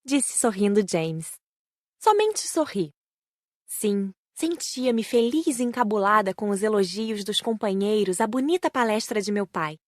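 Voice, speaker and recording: Female audiobook narrator, mid-pitched voice, very dry recording. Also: expressive, a little slow, dry recording. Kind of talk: scripted first-person narration.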